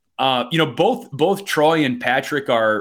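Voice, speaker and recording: With a Wisconsin accent, a man talks at a fairly slow pace with ordinary pitch variation on a very clean recording with a silent background. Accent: Wisconsin Midwestern US. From US Midwest, Wisconsin. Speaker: hockey play-by-play announcer. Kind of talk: casual interview chat.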